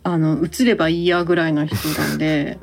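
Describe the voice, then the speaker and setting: A woman's voice: low voice, flat delivery, a little fast, vocal fry, faint music behind. A woman co-hosting a podcast in casual, conversational chat, readily agreeing as she talks. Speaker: podcast co-host.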